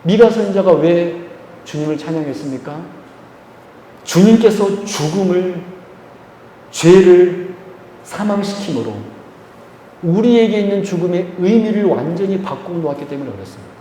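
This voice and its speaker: A man preaching a sermon as pastor, stressing phrases slowly and leading the congregation in call-and-response. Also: sits high, warm tone, a little hiss or hum. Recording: echoey church hall, faint ambience.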